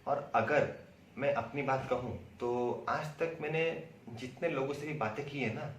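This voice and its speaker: An Indian man giving a prepared testimonial in a deliberate, emphatic way, with pauses and repeated words. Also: medium pitch. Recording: roomy echo, distant mic, faint noise.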